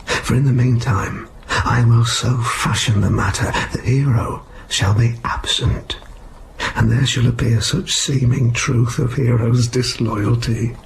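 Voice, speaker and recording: A sly, persuasive henchman, played by a man, laying out a plot in a mid-pitched voice. He leans in conspiratorially and drops into whispers, all in a Shakespearean stage play. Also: steady tone, takes it slowly, creaky, a little hiss or hum, rough recording. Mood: scheming. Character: sly scheming male henchman, cunning and persuasive.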